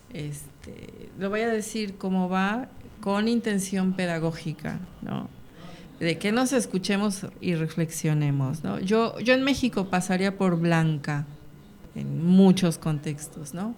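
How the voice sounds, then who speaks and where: A woman speaks very slowly at a medium pitch, with ordinary variation in her pitch. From Mexico, Michoacán. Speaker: activist guest. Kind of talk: radio interview.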